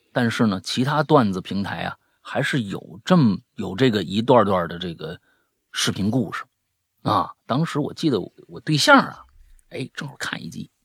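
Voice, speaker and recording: A man reads listener ghost stories on his show in an animated storytelling voice. His pitch leaps and falls expressively, his tone has a slight husky grain, and the sound is dry and close. He sinks into a hush for creepy moments and drops in chatty asides. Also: no room sound. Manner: chatty, breaks off with jokey asides and laughs. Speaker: podcast host reading listener stories. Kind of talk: animated storytelling, dropping to hushed tones for eerie parts.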